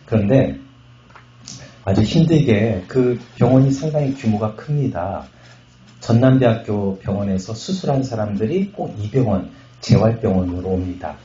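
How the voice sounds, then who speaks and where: Man, middle-aged pastor, testimony sermon, animated and joking, low mellow voice, echoey hall, faint hiss. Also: normal speed. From Chungcheong Province, Korea. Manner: animated storyteller, jokes and loud bursts. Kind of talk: testimony sermon at a revival meeting. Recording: echoey hall, slightly muffled sound.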